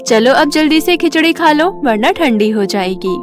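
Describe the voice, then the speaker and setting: A woman voicing a caring, contented village mother in an animated storybook tale, affectionate in manner. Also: sits high, normal speed, music in the background. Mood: affectionate, approving.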